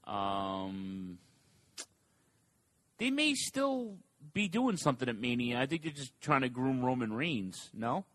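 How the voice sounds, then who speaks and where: A man's voice: mid-range voice, dry recording. Chatty man on a dry mic. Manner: animated, fast asides, reads listener questions. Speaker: podcast co-host. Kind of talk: casual wrestling talk.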